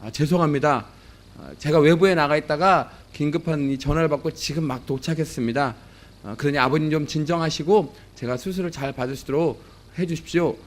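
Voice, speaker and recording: A man voicing a calm, patient surgeon. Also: fairly high pitch, a little fast, natural voice. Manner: gentle and soothing.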